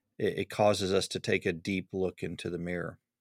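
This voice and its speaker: With a Southern US accent, a man talks in a monotone, flat intonation at a very deep, low pitch and a moderate pace, recorded very cleanly with a silent background and a dry, close sound with no echo. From US South. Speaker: pastor, panelist. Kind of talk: panel discussion.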